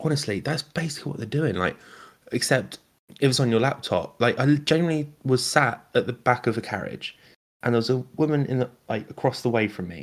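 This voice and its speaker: Here is a man with a normal speaking voice. He moves at a fairly quick pace with ordinary pitch variation. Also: medium pitch for a man. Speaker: podcast co-host.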